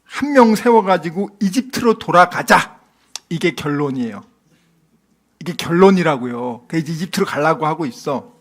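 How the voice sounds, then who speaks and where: A middle-aged male pastor preaching an early-morning sermon, animated and acting out quoted voices with loud outbursts. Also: a little high, normal speed.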